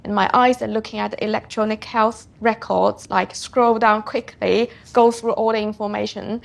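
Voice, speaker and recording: A woman's voice: medium pitch, level tone, normal speed, gravelly. A woman speaking as a physician in an interview, explaining how she works.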